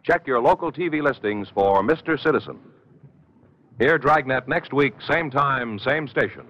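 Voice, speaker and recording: A man's voice: mid-range voice, normal speed. A man announcing in an old 1950s radio announcer style, polished and emphatic. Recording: muffled vintage radio recording.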